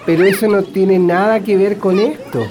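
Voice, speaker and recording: Male actor: kindly priest in a radio play, fatherly, encouraging, mid-pitched. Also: steady tone, normal speed, a little mellow, a little hiss or hum, close to an everyday voice. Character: kindly middle-aged parish priest. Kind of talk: radio drama acting.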